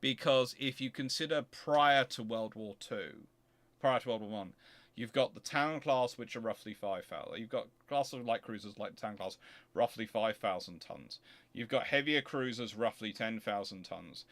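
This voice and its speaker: A man's voice: lowish voice, moderate pace, a bit bright. A man hosting an off-the-cuff explanatory talk, emphatic and digressive, often correcting himself as he goes. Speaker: host answering audience questions.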